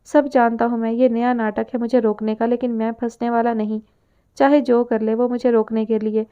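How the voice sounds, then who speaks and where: Woman reading a curt, dismissive husband and father, smooth voice on a narrow phone-like recording. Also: fairly high pitch, flat delivery, warm tone, close to an everyday voice. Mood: cold. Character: harsh middle-aged father walking out on family.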